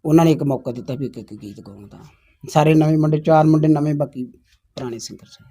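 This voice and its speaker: Soft-spoken high-voiced man. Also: quick pace, husky. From Punjab, India. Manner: humble, soft-spoken, agrees often with "haanji". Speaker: folk singer being interviewed. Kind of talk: casual interview answers.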